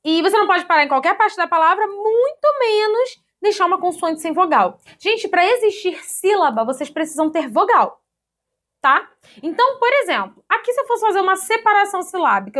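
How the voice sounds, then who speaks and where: A Brazilian woman teaching an online grammar lesson in a lively, chatty way, often checking in with her students. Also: extremely high pitch, normal speed. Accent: Brazilian Portuguese. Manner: lively, chatty, addresses students as "gente", ends points with "tá?".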